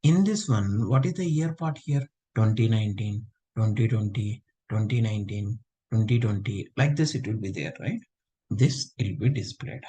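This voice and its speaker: A man teaching a live online software class over a video call, unwell and talking low, often checking that students understand. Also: normal speed, breathy edge, rough recording. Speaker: software trainer.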